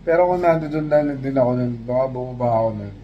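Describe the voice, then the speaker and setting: A man from the Philippines talks casually on a vlog, telling a story from his workplace in an easygoing, conversational way. His voice sits at a middle pitch, with faint ambience behind him. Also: fast, highs cut off, a little hiss or hum. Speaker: vlogger. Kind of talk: casual chat.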